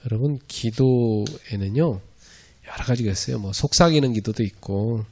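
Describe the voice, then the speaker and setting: A slight hiss or hum sits under this middle-aged male pastor's sermon, which he delivers in a lively, conversational style. His mid-range voice moves at a normal speed, punctuated by frequent laughter and loud shouted prayers.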